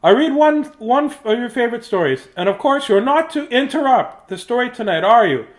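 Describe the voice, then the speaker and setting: Man playing a coaxing, high-voiced papa rooster. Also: animated, brisk. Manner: parental, coaxing, mildly admonishing. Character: patient, gently chiding father rooster at bedtime.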